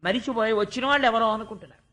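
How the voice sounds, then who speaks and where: A man's voice: sits high, fairly even intonation, very fast, sharp tone. A man giving a devotional scripture discourse, telling the story at length and chanting verses in a sing-song lilt. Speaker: spiritual discourse speaker.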